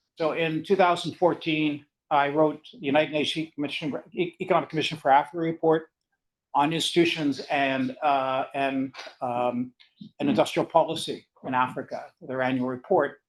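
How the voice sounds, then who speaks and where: Intonation here is fairly even. An American accent comes through. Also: man, fairly high pitch for a man. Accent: Canadian American. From Canada. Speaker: professor. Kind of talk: lecture. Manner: fast; halting.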